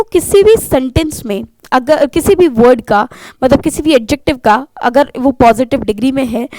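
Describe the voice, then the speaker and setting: A woman's voice: high voice, a little mellow, dry recording. A woman English teacher, explaining grammar step by step in an exam-prep lesson, mixing English terms into Hindi.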